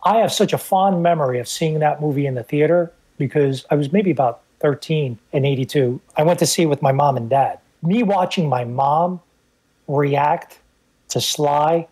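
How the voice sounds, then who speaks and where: Breathy New man, 50s, earnest podcast co-host sharing memories. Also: a little high, moderate pace, darkish tone, low-quality recording. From the Bronx, New York. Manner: earnest, reminiscing, repeats words as he starts sentences. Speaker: guest host. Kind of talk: casual podcast chat.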